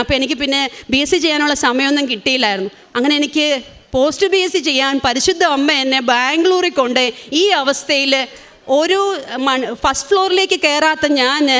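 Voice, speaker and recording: A woman's voice: high-pitched, fairly bright tone. A woman in her forties with a Kerala Malayalam accent, giving an earnest, emotional religious testimony. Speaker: testimony speaker.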